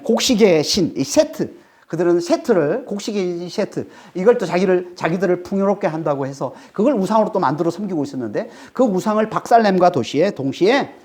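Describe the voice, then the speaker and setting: A male pastor from Korea working through a scripture passage with emphatic, animated delivery. His pitch swings widely as he stresses each point. He keeps asking the congregation short questions to hold their attention. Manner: animated, rises sharply when dramatizing. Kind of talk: expository sermon.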